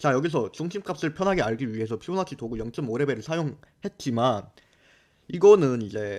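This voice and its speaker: A man's pitch swings very widely at a moderate speed, captured on a very clean recording with a silent background. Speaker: crypto chart analysis YouTuber. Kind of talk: tutorial. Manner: self-described poor pronunciation.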